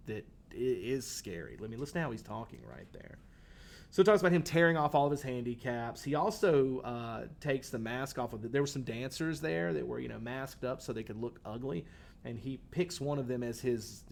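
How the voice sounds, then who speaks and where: A man's voice: mid-range voice, animated, moderate pace, gravelly. A male teacher giving a casual classroom lecture on a short story, talking in a conversational way with many fillers and restarts.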